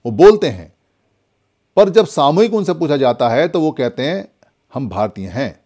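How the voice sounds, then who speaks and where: A man's voice: on the high side, very animated, normal speed, warm tone. A man from India giving a spoken Buddhist lesson, preaching with many repeated rhetorical questions. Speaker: Buddhist teacher.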